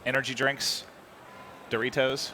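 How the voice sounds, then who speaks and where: A male esports commentator chatting casually between matches, quick and chatty, often correcting himself mid-sentence. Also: mid-range voice, little pitch movement, pushed and bright, slight background noise. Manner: fast, chatty, self-correcting.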